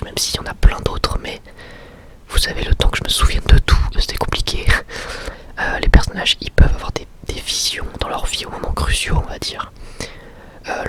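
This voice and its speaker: Whispering young man, ASMR style. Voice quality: breathy, unvoiced whisper. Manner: informal, slangy, explanatory. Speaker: ASMR creator and anime reviewer.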